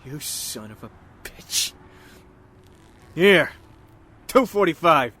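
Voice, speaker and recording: A man's voice: on the high side, big pitch swings, takes it slowly, bright, forceful tone, a little hiss or hum, exaggerated voice. An actor playing a hot-tempered, desperate police detective in an audio drama, snapping his words. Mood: angry, desperate. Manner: agitated, snapping.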